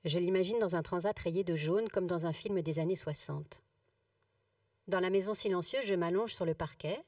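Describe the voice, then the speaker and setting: A woman reading a first-person novel aloud at a live event, intimate and expressive, her delivery drifting between a hushed whisper and a raised voice. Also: on the low side, no echo, studio quality, far from the mic. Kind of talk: literary reading.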